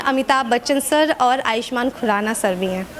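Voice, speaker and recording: A woman's lively intonation over noticeable background noise. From Uttar Pradesh, India (Moradabad). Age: 20s. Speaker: actress. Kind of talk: interview.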